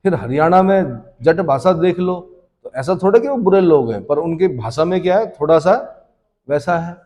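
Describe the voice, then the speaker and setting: A man's voice: a little high, animated, moderate pace, mellow, in a large hall. A man teaching history, who asks his class questions and then answers them himself. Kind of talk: classroom lecture.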